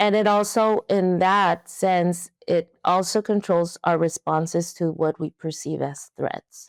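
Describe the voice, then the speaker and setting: In a very clean recording with a silent background and a dry, close sound with no echo, a woman with a Mexican accent speaks very slowly at a medium pitch, with fairly even intonation and hardly any pauses. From Mexico. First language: Spanish. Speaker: trauma therapist. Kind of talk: interview. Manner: halting.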